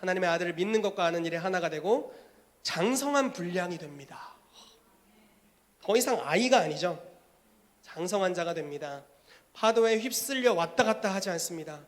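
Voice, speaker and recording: A male pastor preaching a sermon in an animated way, acting out scenes as he goes. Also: high voice, normal speed, long pauses.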